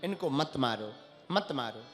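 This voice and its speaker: A man's voice: expressive, unhurried, heavily acted. A preacher voicing a tearful pleading queen mother. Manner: soft, pleading, lowered voice. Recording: echoey hall with faint music.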